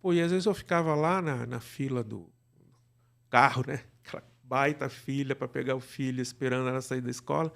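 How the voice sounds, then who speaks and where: A man's voice: medium pitch, a little fast, gravelly. A middle-aged man with a Brazilian accent chatting casually as a podcast guest, rambling and often checking in with little tag questions. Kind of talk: casual conversation.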